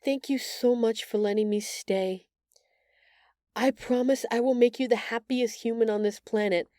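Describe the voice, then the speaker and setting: A woman playing a gentle, shy female alien who stammers earnestly and apologetically in an intimate audio roleplay. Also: on the high side, steady tone, normal speed, dry recording, clean studio sound, lightly acted. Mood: relieved, grateful.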